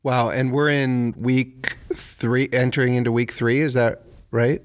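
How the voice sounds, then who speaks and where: A man's voice: mid-range voice, little pitch movement, slight background noise. A man hosting an interview, asking long questions that he restarts and rephrases as he goes. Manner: halting, restarts mid-question. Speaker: interviewer, host.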